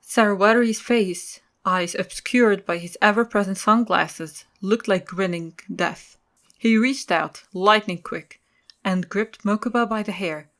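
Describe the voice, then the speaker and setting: A woman's voice: mid-range voice, a little slow, a bit bright. A woman reading scripted third-person story narration for an audio drama.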